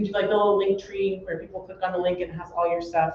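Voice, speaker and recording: Audible room echo carries a woman's fairly low-pitched voice. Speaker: mortgage lender, seminar presenter. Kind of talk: seminar presentation. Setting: live seminar with audience. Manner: fast; animated.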